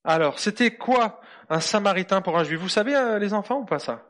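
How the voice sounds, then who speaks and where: A man's voice: sits high, brisk. A man preaching a conversational sermon to children and adults, often questioning his listeners. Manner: asks the audience lively questions.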